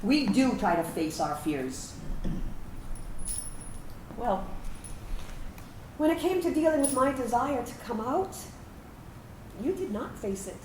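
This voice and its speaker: A woman's voice: a little high, very animated, slow, long pauses, a little mellow. A woman performing a staged monologue as a reflective trans veteran around fifty, recorded in a room. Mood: reflective, firm. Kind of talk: theatrical dramatic monologue reading. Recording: echoey, distant mic, hissy room noise.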